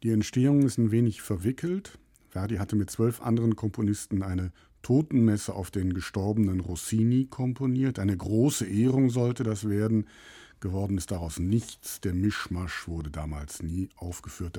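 A male radio host with a low, warm voice that carries a soft, husky grain. He introduces the piece in a measured, explanatory way before turning questions to his panel. The sound is close and dry, with no room around it. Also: no room sound. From Rhineland, Germany. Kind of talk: scripted introduction and moderating a panel.

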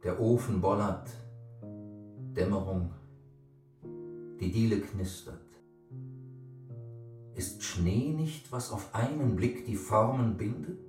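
Man reciting verse, slow and solemn, echoey and distant. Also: lowish voice, over music. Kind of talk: poetic recitation. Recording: roomy, distant.

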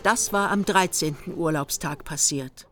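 An actress narrating a literary radio play in the third person as a storyteller. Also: female voice, low-pitched, a little slow. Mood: measured storytelling. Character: female narrator of a young couple's holiday tale. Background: music.

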